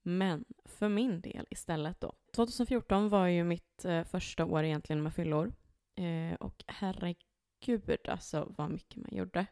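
A woman's voice: on the low side, hardly any pauses, dark tone, clean tone, dry recording, studio quality. A young adult woman co-hosting a podcast, chatting casually and cutting in with teasing quips. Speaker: podcast co-host. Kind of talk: casual chat.

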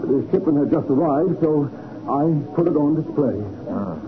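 An actor playing a brisk, commanding private detective in a 1940s radio drama. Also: male voice, fairly high pitch, lively intonation, natural voice. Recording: tinny old radio broadcast with hiss.

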